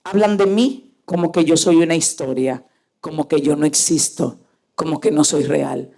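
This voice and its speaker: A woman preacher voicing God as a sorrowful male voice who speaks slowly and tearfully. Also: creaky, warm tone. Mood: grieving. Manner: slow, low, tearful speech.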